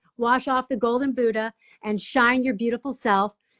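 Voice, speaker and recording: A high-pitched female voice with fairly even intonation at a fairly quick pace, against a quiet background, dry and close with no echo. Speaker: spiritual intuitive and retreat leader. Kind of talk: interview.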